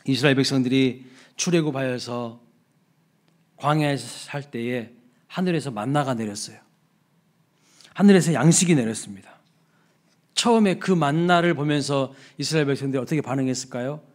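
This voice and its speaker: Korean pastor preaching with emphatic drops. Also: male voice, mid-range voice, normal speed, long pauses. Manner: emphatic, with sudden soft drops and acted exclamations. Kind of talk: sermon. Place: church sanctuary.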